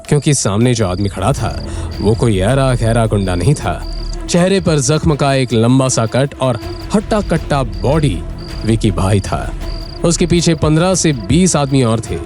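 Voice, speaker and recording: A man's voice: mid-range voice, a little mellow. A man narrating an audio drama in a dramatic storytelling way.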